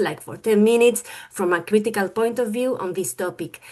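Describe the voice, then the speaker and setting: At a moderate pace, a woman talks with a fairly high pitch that varies in an ordinary way. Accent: Spanish. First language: Spanish. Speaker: journalist. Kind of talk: presentation. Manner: halting.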